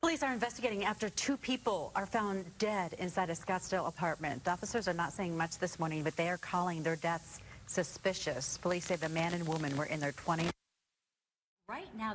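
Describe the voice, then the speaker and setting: Woman newsreader, slightly low voice, scripted, little noise in background. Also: brisk. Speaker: news anchor. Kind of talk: scripted news reading.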